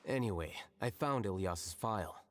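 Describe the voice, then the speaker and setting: An actor playing a composed, blunt, aloof young scholar in a video game, speaking in a matter-of-fact way. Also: male voice, sits low, animated, moderate pace. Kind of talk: scripted video game voice acting.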